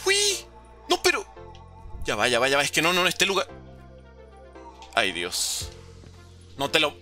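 A young man doing animated gameplay commentary, talking straight to his viewers. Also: fairly high pitch, measured pace. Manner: animated, excitable, talks to viewers. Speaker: gaming YouTuber. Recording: game music behind voice.

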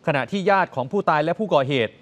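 A man's voice: on the high side, very fast. A male news presenter telling a crime story in an emphatic way, speaking straight to the viewers. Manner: emphatic, addresses viewers directly. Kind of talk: dramatic news report.

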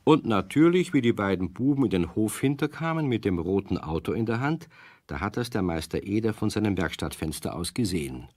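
A man's voice: on the low side, animated, fairly quick, a little mellow, no room sound, studio quality. A man acting as the storyteller of a children's radio play, narrating a scripted tale. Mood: storytelling.

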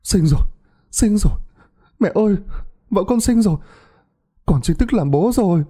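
A flustered young husband, played by the narrator himself, shouting in a raised voice with a hurried, stammering rush. His pitch jumps around in lively swings, and the sound is mellow underneath. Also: heavily acted. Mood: overjoyed.

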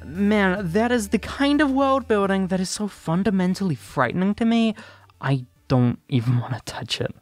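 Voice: medium pitch, animated, moderate pace, no room sound, faint music behind. Video essay narrator, mid-range voice, wry and casual, scripted commentary with playful overstatement. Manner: wry, sardonic, playfully exaggerated.

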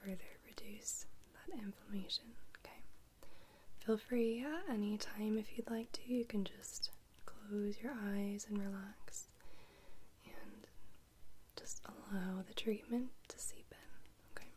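A woman in her twenties doing a whispered role-play as a soothing clinic practitioner, in a breathy, gentle, reassuring whisper. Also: medium pitch, a little slow, pauses often, slight background noise. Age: 20s. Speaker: ASMR creator playing an eye-clinic practitioner.

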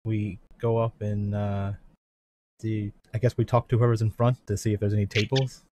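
A man's voice: on the low side, little pitch movement, normal speed, noisy background. A man playing a tabletop game, speaking in an easygoing, hesitant way. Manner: easygoing, hesitant, lots of agreeing murmurs. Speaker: player. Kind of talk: casual tabletop play over voice chat.

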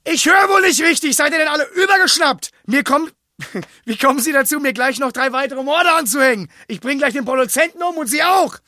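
Casting: indignant radio-play suspect, very high, sharp voice. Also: male voice, brisk, no echo. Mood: outraged. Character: shrill, outraged man accused of murders. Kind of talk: German radio drama acting.

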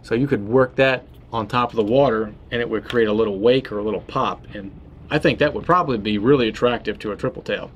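A man's voice: fairly low pitch, fast talker, slight background noise. A man in his thirties, a tackle shop host, talking casually about fishing tactics with plenty of uh fillers. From Florida. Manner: relaxed and conversational, with many uh fillers and restarts. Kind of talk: casual fishing how-to talk.

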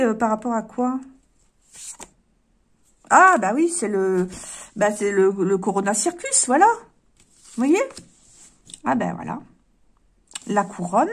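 A woman's voice: medium pitch, a little mellow. A woman doing a card reading, thinking aloud with many fillers and restarts and talking straight to her viewers. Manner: musing, talks straight to viewers. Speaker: card reader. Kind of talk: casual card reading to camera.

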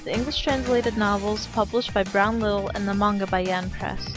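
A woman's voice: medium pitch, steady tone, normal speed, music in the background. A woman, an amateur voice actor, giving a scripted introduction and credits.

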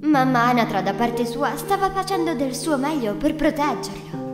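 A woman's voice: high-pitched, sing-song, moderate pace. A woman narrating a scripted fairy tale for children. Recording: reverberant, loud music behind.

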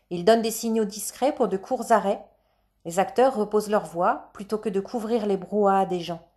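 A woman narrates a children's novel in the first person, calm and measured. Her voice sits at a middle pitch for a woman. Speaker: audiobook narrator. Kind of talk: first-person storybook reading.

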